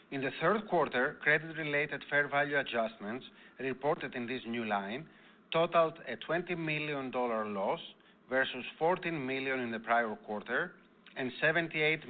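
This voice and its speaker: A man working as a finance executive, reading a scripted earnings presentation in a formal, measured manner over a conference call. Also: medium pitch. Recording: tinny phone-line conference call audio.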